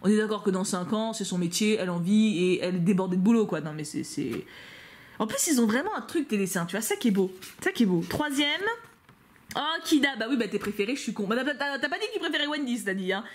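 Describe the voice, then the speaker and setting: A woman's voice: mid-range voice, quick pace. A young woman from France opening fan mail for her viewers, gushing and teasing, often stumbling over repeated words. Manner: gushing and excitable, stammering repeats; playful teasing asides. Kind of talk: casual unboxing vlog, talking to viewers.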